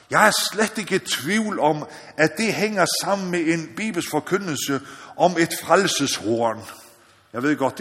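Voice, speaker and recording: A man from the Faroe Islands preaching a sermon in an earnest, searching way, often checking in with his listeners and building up to loud calls. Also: medium pitch. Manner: earnest, repeats "ikke også?", rises to loud exhortation. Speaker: missionary preacher. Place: church or meeting hall. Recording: long hall reverb.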